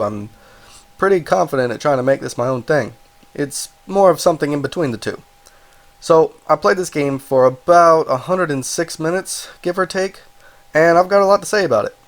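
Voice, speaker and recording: A man with a cold and a stuffed-up voice, casually reviewing a video game, rambling and correcting himself as he goes. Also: a little high. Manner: rambling, self-correcting, apologetic asides. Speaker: game reviewer, channel host.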